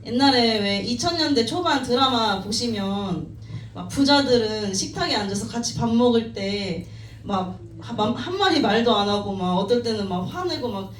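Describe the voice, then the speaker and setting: A woman's voice: on the high side, expressive, normal speed. A woman in her thirties tells her life story to an audience at a company meeting, in a modest, self-deprecating manner and with frequent light laughs. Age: 30s. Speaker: team member giving a talk at a company meeting. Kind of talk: personal story talk to an audience. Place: meeting room. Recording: echoey room, distant mic, faint noise.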